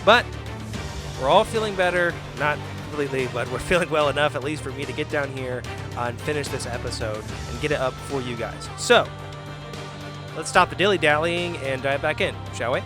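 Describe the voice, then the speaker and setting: A man's voice: fairly high pitch, brisk. A man hosting a podcast, chatty and apologetic in a casual intro. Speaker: podcast host. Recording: guitar music behind.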